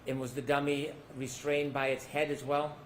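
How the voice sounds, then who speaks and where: A man's voice: mid-range voice, little pitch movement, normal speed, a little hiss or hum. Man cross-examining in a courtroom recording. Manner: pointed leading questions with tag endings. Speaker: defense attorney.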